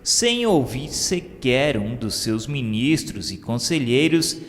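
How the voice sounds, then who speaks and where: A man with a Brazilian accent narrating a radio drama in a solemn, measured way. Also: mid-range voice, sing-song, a bit bright. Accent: Brazilian Portuguese. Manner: slow, solemn, measured delivery. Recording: long reverb with faint music.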